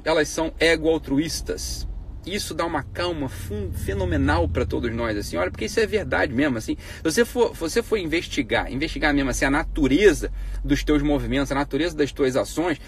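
A man's voice: on the high side, fairly bright tone, husky. A man hosting a live stream, giving a blunt, profane monologue on ethics full of rhetorical questions. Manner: grows heated and emphatic.

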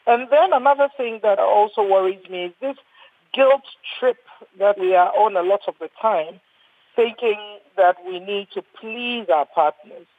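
A woman's voice: mid-range voice, normal speed, no room sound. A woman in her sixties from Ghana, a doctor speaking earnestly on a panel and often repeating words as she restarts. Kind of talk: panel discussion. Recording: thin phone-like line, husky and dry.

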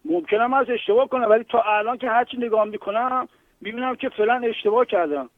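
A man's voice: very high-pitched, no room sound. An older man calling in to argue his point, insistent and talking over the host. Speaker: caller. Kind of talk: phone-in argument. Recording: tinny dry phone line.

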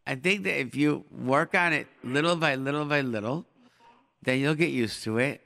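A man's voice: medium pitch, moderate pace, gravelly, bright, forceful tone. A middle-aged man hosting a live call-in show, giving informal advice in short repeated phrases peppered with Hebrew and Yiddish expressions. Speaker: radio call-in show host and advice giver.

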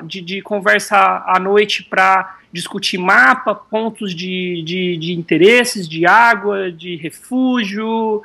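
A man from Brazil with a Brazilian Portuguese accent, a touring cyclist chatting in an interview, lively and teasing, often repeating words as he starts. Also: high voice, creaky. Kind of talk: casual interview chat.

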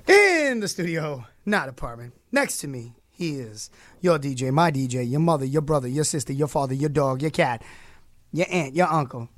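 A male radio host, hoarse from losing his voice, hyping up his show with joking, showy banter in a studio. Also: on the high side, animated, dry recording. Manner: showy, joking, rapid riffing introductions. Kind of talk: playful, hyped radio banter. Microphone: studio microphone.

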